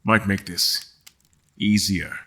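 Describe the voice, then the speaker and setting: A deep-voiced, wry captive guest. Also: male voice, vocal fry, pushed and bright, exaggerated voice. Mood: careful, probing. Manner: deliberate, formal, dry. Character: mortal male guest, frustrated, wry, carefully probing captors. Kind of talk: audio drama acting with first-person narration.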